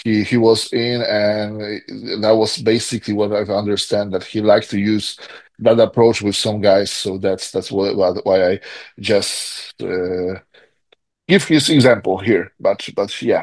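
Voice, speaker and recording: Fairly slow, fairly even speech from a man with a fairly low pitch and a non-native accent. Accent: non-native English speaker. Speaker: podcast host. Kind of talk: podcast interview. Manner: halting.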